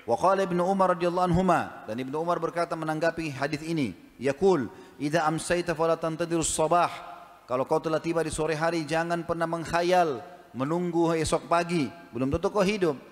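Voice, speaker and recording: A man preaches a storytelling sermon to a gathered audience and keeps turning to them with questions. His voice sits fairly high for a man. It rings out with a long reverb, as if it fills a large hall. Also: a little fast.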